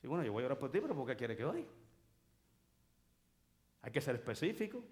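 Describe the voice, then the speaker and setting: In a church sanctuary, a pastor delivers a sermon in a mid-range voice at a slightly quick pace. He's an animated storyteller who acts out the dialogue of the people in his stories.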